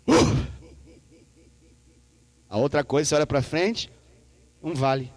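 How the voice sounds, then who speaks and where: Speaking slowly in a somewhat high voice, this pastor delivers a church sermon with a Brazilian Portuguese accent. He jokes and laughs along with his congregation, animatedly performing conversations with God in changing voices.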